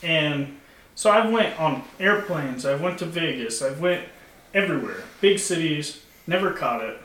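A man's voice: a little high, animated, unhurried, a bit bright, recorded from a distance. A man telling stories in a loose, laughing way, swearing freely as a podcast co-host. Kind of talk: casual storytelling chat. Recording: echoey room, off-mic, faint noise.

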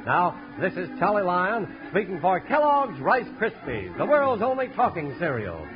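A man's voice: high voice, huge pitch swings, moderate pace. An American man announcing in old-time radio style, reading scripted credits and sponsor plugs. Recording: dull vintage radio broadcast, music behind. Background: music.

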